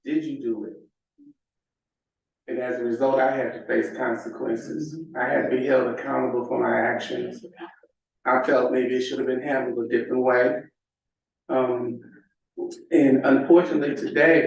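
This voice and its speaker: A man's voice: mid-range voice, darkish tone, lo-fi sound. A man in his sixties giving an earnest public comment at a city council meeting, telling a story and pleading for unity. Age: 60s. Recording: echoey council chamber from far off.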